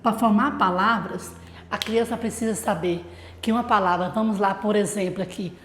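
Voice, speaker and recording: A woman's voice: medium pitch, fairly even intonation, moderate pace, fairly bright tone, roomy sound, a little hiss or hum. A woman literacy teacher with a Brazilian accent, explaining a classroom routine to other teachers and asking rhetorical questions.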